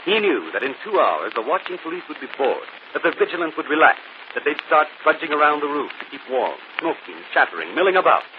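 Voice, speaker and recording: An actor playing a brilliant, self-assured gentleman detective in a 1940s radio mystery, explaining calmly. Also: fairly high pitch, fairly quick. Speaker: detective and show host. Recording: muffled old radio broadcast, faint hiss.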